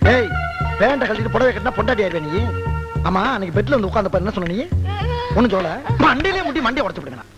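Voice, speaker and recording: A man's voice: sits high, very animated, racing, over loud music. A man playing a joking husband in a film comedy, teasing his wife. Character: comic bumbling husband, wisecracking.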